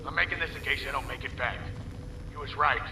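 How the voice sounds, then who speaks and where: An actor playing a frightened, loyal gang henchman in a video game audio log, speaking urgently and roughly. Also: mid-range voice, natural voice. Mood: anxious, urgent. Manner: urgent, hurried, ungrammatical. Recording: distant, echoey, noisy audio log.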